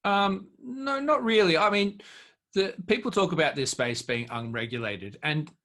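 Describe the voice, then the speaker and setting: A man's voice: sits high, moderate pace, fairly bright tone. A man speaking as a guest expert in an interview, giving emphatic, argumentative commentary in an unscripted way.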